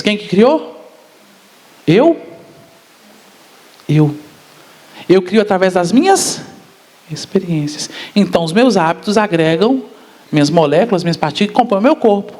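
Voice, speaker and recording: A man giving a spiritist public lecture, often asking the audience questions. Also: high-pitched. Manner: asks the audience questions, animated.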